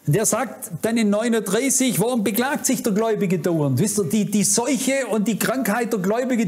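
A man delivers a conference sermon in a noticeably high voice. He is fervent and admonishing, speaking directly to his listeners to warn and exhort them. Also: darkish tone. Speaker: preacher. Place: conference hall.

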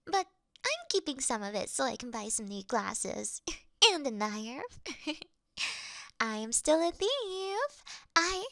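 Woman acting as timid girl thief faking toughness, slow-paced, stammering, pouty, close dry sound, ASMR roleplay. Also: high-pitched, sing-song, fairly bright tone, no echo, exaggerated voice. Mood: sheepish, relieved. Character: clumsy, easily scared young female dungeon thief acting tough.

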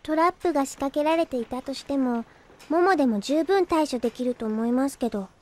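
Very high, earnest little girl played by a woman. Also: fairly quick, darkish tone, natural voice. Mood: earnest, curious. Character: earnest, polite, helpful young girl. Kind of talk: anime-style audio drama acting.

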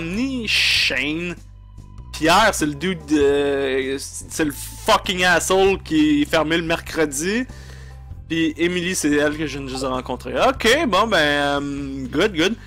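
A man's voice: fairly high pitch, fairly bright tone. A man with a Quebec French accent giving casual, profane gameplay commentary and mixing in English phrases. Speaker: let's play gamer.

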